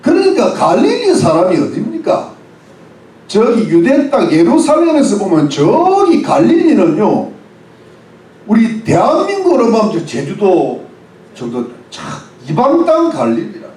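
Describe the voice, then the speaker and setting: A man's voice: sits high, wildly swooping pitch, unhurried, a little mellow, echoey room, distant mic, low-quality recording. A man preaching a sermon as pastor, explaining words one by one with English phrases and asking the congregation questions. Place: church.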